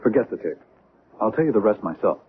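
An actor playing a composed, probing doctor in an old-time radio drama, measured and matter-of-fact. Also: male voice, fairly low pitch, big pitch swings. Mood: rueful, measured. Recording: tinny, noisy old radio recording.

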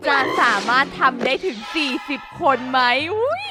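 Her high-pitched voice swoops wildly as she speaks at normal speed. A gaming YouTuber, she delivers playful game commentary, theatrically scolding characters and addressing her viewers, with background music underneath.

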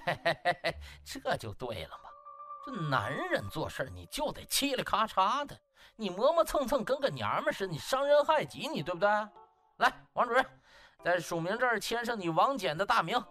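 Man acting smug brash young doctor, very animated. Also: high-pitched, brisk, soft background music, pitched above the performer's own voice, exaggerated voice. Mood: gloating. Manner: gloating, chuckling, exaggerated exclamations. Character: smug, brash young male doctor, mocking and fake-friendly. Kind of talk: comic audiobook character acting.

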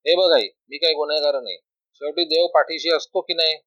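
An earnest young prisoner calmly reassures his mother, voiced by a man reading aloud. His voice sits a bit high and dry. The recording is dull and lo-fi. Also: brisk, no room sound, natural voice. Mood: reassuring. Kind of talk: storybook reading.

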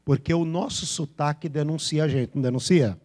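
A man's voice: a little high, fairly quick, darkish tone. A man preaching a sermon to his congregation in a São Paulo interior accent, playfully imitating regional ways of speaking. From Brazil. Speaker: pastor. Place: church with a congregation.

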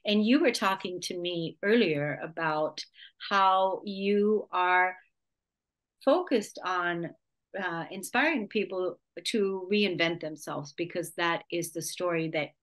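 A woman's voice: on the low side, a little slow, fairly bright tone. A woman hosting an interview over a video call, encouraging and affirming her guest. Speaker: host.

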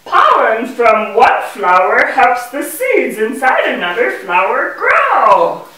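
A woman's voice: on the high side, wildly swooping pitch, takes it slowly, pushed and bright, exaggerated voice. A woman voicing a proud, bubbly male bee puppet in a children's show, boastful and theatrical with sing-song phrasing. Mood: enthusiastic. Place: indoor puppet stage, far from the mic. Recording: echoey room, distant microphone.

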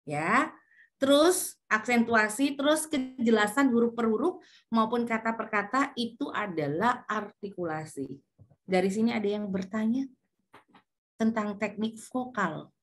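A woman's voice: a little high, expressive, unhurried. A woman, teaching a public speaking class over a video call and acting out her examples with changing intonation. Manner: demonstrative, shifts intonation to show examples. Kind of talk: online class lecture.

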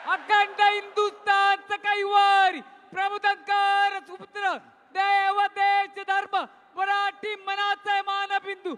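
A man with a Marathi accent calls out honorific titles as a rally slogan leader. His voice is extremely high and held on one monotone level, declamatory, ringing through a reverberant hall. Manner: declamatory, drawn-out chanting of titles. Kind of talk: shouted honorific rally announcement. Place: large covered rally hall. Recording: echoing hall PA.

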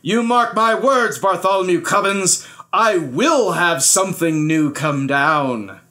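Man acting out angry old storybook king, imperious, growling, high-pitched and forceful, slow drawn-out words. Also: heavily acted. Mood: imperious, bellowing. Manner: bellowing, growling, stretching words for emphasis.

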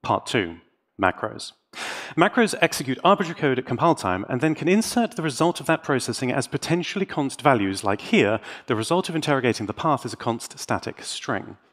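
A man's voice: mid-range voice, sing-song, a little fast, fairly bright tone. A man giving a technical conference talk in a playful, enthusiastic manner, with rhetorical asides. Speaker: conference speaker and tech YouTuber. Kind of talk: live technical presentation.

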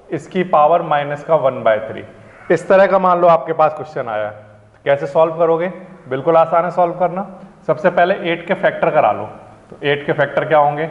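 Brief: male tutor, slightly high voice, patient step-by-step explainer, roomy lo-fi phone-like sound. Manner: patient, repeats "ठीक है ना" to check understanding; calls students "प्यारे बच्चों" affectionately. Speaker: maths teacher. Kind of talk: online maths lesson.

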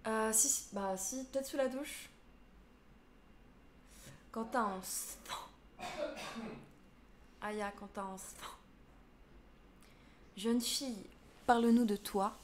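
Twitch streamer: French woman, 20s, bit high, playful chatter, faint room noise. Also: slow pace, pauses often. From France. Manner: playful, switches between French and accented English. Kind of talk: casual live stream chat.

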